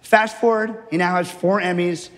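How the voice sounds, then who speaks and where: Host: man, fairly high pitch, upbeat and brisk, reverberant hall. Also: steady tone. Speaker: show host. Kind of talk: interview hosting.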